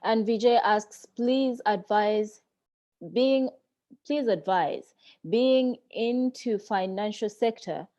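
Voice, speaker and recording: A woman moderating an online chat, reading audience questions aloud in a measured way, over dull lo-fi call audio. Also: a little high, dark tone.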